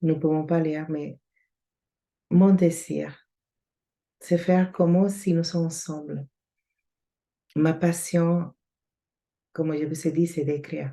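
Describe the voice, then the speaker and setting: In a non-native accent, the speaker's dark, mellow voice holds a monotone, flat intonation at a very slow pace with long, frequent pauses. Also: woman, fairly low pitch for a woman. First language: not French (speaking French). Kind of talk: sermon. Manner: halting.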